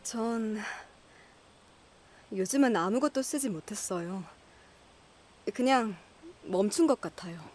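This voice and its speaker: A woman voice actor playing an earnest young woman writer in an audio drama, with a soft, sincere and reflective delivery. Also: mid-range voice, animated, takes it slowly, long pauses. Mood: subdued, hesitant.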